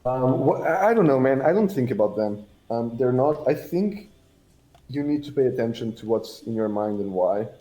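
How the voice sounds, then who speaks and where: A man from Portugal chatting casually as a livestream guest, halting and rambling but blunt in how he talks. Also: medium pitch, lively intonation, dark tone.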